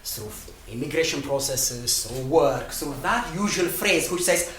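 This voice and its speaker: A man's voice: fairly high pitch, animated, a little slow, fairly bright tone, echoey room, poor audio. A middle-aged man from Ethiopia with an Ethiopian accent, whose first language is Amharic, telling a personal story to an audience with many fillers and restarts, often laughing between phrases. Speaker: storytelling speaker.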